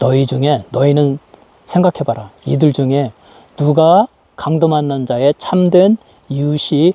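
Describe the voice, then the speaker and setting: Dry and close with no echo, a man's voice sits at a fairly high pitch. He speaks at a fairly slow pace. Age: 60s. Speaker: preacher. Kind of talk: sermon.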